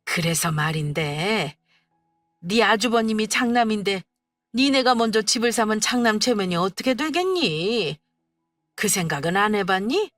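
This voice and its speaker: Story reading: woman voicing a scolding older mother-in-law, shrill, guilt-tripping, faint music behind. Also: fairly bright tone, dry recording. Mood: scheming. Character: pushy, indignant older mother-in-law favoring her eldest son.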